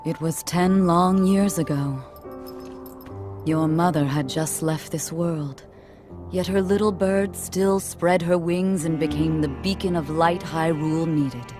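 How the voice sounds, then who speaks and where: An actress playing a proud, commanding warrior woman chief who speaks with measured, fond warmth in a game cutscene. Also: fairly even intonation. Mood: tender. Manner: low, measured, regal and fond. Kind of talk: video game cutscene acting. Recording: game soundtrack with faint music.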